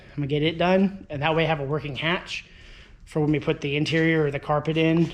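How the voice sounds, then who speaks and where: Pitched fairly high, a man talks at a fairly quick pace. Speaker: car hobbyist YouTuber. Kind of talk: casual vlog talk. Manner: mumbling; halting with fillers.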